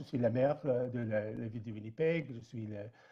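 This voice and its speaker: The speaker is a man. Dark and mellow describes his tone. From Quebec. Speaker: politician. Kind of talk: political debate speech. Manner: halting.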